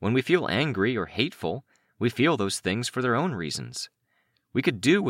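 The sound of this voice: An unforced reading voice is heard, with a quiet background behind it.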